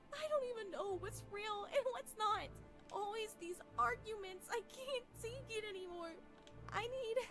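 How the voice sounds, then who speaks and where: A woman's voice: very high-pitched, exaggerated voice. A woman playing a distraught, unstable wife in a dramatic horror visual novel, with emotional, theatrical delivery. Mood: anguished, then exasperated. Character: distraught wife character, unstable, grieving, talking to silent husband.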